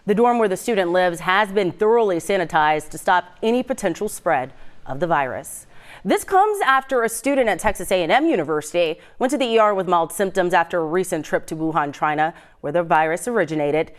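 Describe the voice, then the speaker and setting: A woman's voice: fairly low pitch, expressive, brisk. A woman with an American accent reading scripted morning news as a television anchor in a studio.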